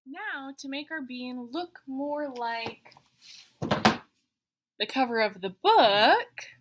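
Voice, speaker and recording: This schoolteacher's voice sits high and expressive, with drawn-out words and a little noise in the background. She leads a children's drawing lesson in stages, using plain, encouraging instructions and talking her thoughts through as she goes.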